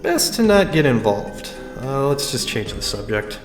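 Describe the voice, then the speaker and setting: A man's voice: mid-range voice, very animated, unhurried, soft background music. A man playing a curious, observant visitor, narrating an audio drama in the first person with a wry tone. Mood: uneasy. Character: curious, observant, tactful adult male visitor. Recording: very echoey room, reverberant.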